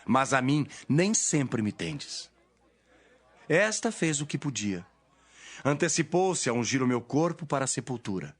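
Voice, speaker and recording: A man playing Jesus in a dramatised Bible reading, a solemn, authoritative teacher speaking in measured declamation. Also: medium pitch, very animated. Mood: solemn, instructing.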